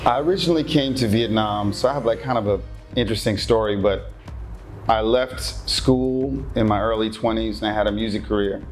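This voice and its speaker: A man from the United States, a stand-up comedian and guest, talking in a quick, joking and animated way. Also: fairly low pitch, faint music behind. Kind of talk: casual interview chat.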